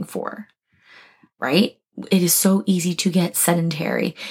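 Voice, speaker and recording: A woman speaks at a fairly slow pace in a medium pitch, her tone dark, mellow and somewhat breathy. The recording is very clean, with a silent background. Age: 30s. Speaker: podcast host and life coach. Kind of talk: casual solo podcast talk.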